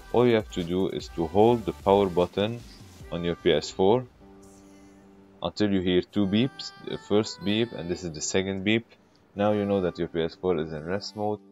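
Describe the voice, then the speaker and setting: A man's voice: low-pitched, a little mellow. A man hosting a casual tech tutorial, talking the viewer through each step, his voice coming through a glitchy, bitcrushed mic that makes it sound robotic.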